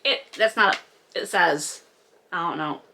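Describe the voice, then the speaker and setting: A woman's voice: on the low side, slow pace, sharp tone, slight background noise. A woman hosting a comedic read-along, mocking a book with sarcastic, exaggerated emphasis and plenty of swearing. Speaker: host reading a book aloud and mocking it.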